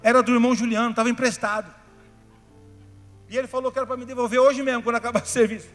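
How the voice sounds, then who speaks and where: High-voiced Brazilian pastor preaching in a reverberant church. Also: male voice, flat delivery, rapid-fire. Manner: chatty storytelling that builds to fervent shouting. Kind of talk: sermon. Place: church hall. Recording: reverberant church hall, faint music behind.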